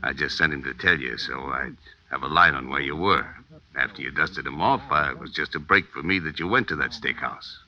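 A man's voice: rumbling low, brisk, pushed and bright, heavily acted. An actor playing a menacing middle-aged gangster in an old radio crime drama, talking in slangy, taunting tough-guy style. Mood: cold, explaining. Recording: muffled, dull old radio recording.

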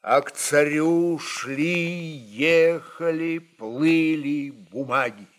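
Expressive male narrator, slightly high voice. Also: very slow. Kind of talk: dramatic literary narration of historical novel.

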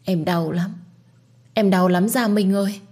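A woman's voice: medium pitch, fairly even intonation, unhurried, darkish tone, husky, pitched above the performer's own voice. Woman putting on a grieving young woman, weak, tearful cries. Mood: pained tearful.

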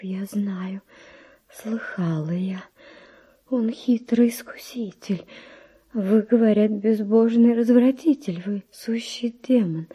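An actress playing an anguished, wavering, tender woman in a radio verse drama, breathy and often dropping to a whisper. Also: on the high side, mellow. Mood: accusing, breathy. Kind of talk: classic Russian radio drama acting of verse.

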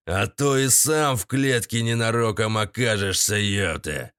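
Audiobook thug: narrator putting on a slow-drawling shaven-headed gang leader, gravelly low, dry close read. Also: male voice, fairly bright tone, no room sound. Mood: menacing. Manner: drawling crude street slang.

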